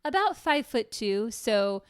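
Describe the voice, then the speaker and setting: A young woman co-hosting a true crime podcast, telling the story in a relaxed, chatty way with plenty of fillers. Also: on the high side, slow, smooth. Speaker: podcast co-host.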